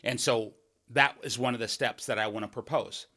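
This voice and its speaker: A man's voice: medium pitch, steady tone, normal speed, sharp tone. Emphatic man making a campaign case. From Washington State. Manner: earnest and emphatic, with frequent restarts and rhetorical "right?" asides. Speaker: political candidate hosting a podcast. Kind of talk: campaign podcast monologue.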